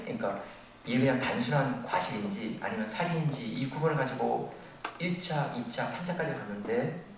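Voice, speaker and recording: An older man preaching a sermon as a pastor, telling a story with animated, acted-out quotes. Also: mid-range voice. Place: church sanctuary. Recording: very echoey, distant from the mic, faint noise.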